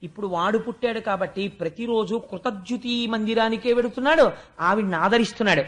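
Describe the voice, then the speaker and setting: High, bright-voiced man giving a scripture discourse. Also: a little fast. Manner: storytelling, chants verses in a sing-song lilt. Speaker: spiritual discourse speaker.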